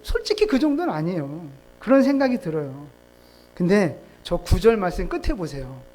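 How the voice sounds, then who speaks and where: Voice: mid-range voice, big pitch swings, moderate pace, mellow. A pastor giving a sermon in a church, playful and teasing, leading the congregation through call-and-response. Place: church sanctuary.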